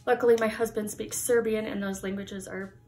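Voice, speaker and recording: Young woman chatting to her camera, laughs a lot, middle pitch, bit of music under it. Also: a little fast. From United States. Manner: chatty, laughs often, animated hand gestures. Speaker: YouTuber. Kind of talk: casual chat to camera. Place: Halloween-decorated room indoors.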